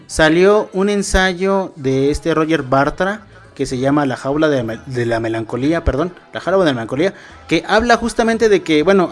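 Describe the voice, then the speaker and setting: A man with a Mexican accent co-hosting a casual chat, joking and then reflecting. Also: a little high. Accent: Mexican Spanish.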